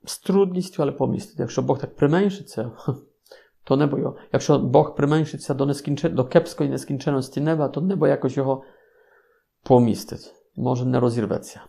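A man's voice: medium pitch, moderate pace, creaky, dark tone. A man with a Polish accent, a Capuchin friar giving an informal sermon with playful, ironic asides to his listeners.

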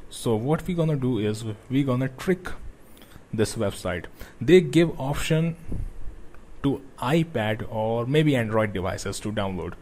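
A man's voice: medium pitch, animated, a little mellow. Young guy, english not his first language, walks thru a pc how-to, lots of uh's, mid voice, bit of faint room noise. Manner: non-native English with grammar slips, many "uh" pauses. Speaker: tech tutorial host. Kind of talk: screen-recorded tutorial.

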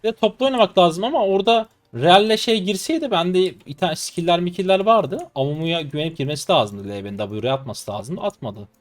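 A man in his twenties, a live streamer giving excitable, mocking gameplay commentary. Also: high-pitched, brisk, few pauses. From Turkey. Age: 20s. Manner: excitable, mocking and trash-talking.

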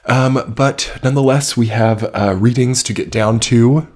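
A man's voice: mid-range voice, fairly even intonation, a little slow. A man with a slightly scratchy voice from a cold, giving a casual, rambling monthly astrology forecast with many fillers. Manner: rambling, filler-heavy, reflective. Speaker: astrology reader.

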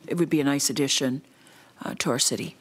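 A woman council member giving her view in a meeting, talking deliberately with pauses at a desk microphone in a council chamber. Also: a bass voice, breathy edge. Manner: deliberate with hesitations. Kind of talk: speaking in council discussion.

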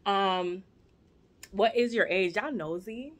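A woman's voice: medium pitch, slow pace. Chatty woman in her forties. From Jamaica. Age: 40s. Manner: chatty, rambling, playful asides to viewers. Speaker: vlogger. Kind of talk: casual chat to camera. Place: living room at home. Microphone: camera at arm's length.

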